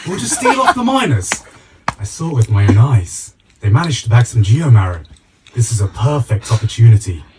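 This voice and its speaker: A man voicing an irritated, scheming thief for a video game, with a gruff, scornful delivery. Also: medium pitch, sing-song, normal speed, far from the mic, background noise, close to an everyday voice. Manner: exasperated, sighing, scornful. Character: irritated, scheming male thief eyeing an opportunity.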